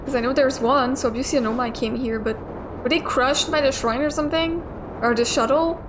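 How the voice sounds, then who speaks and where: A woman's voice: high voice, fairly even intonation, a little fast, noisy background. A young woman casually commenting and thinking aloud while playing a video game, swearing now and then. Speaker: gamer playing through a game. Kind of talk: casual let's play commentary. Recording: game music playing clearly behind. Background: game music.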